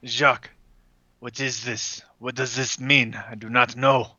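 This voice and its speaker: A man voicing a slow, forceful, puzzled ancient tree man. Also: mid-range voice, level tone, highs cut off, slight background noise. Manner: slow, deliberate, questioning.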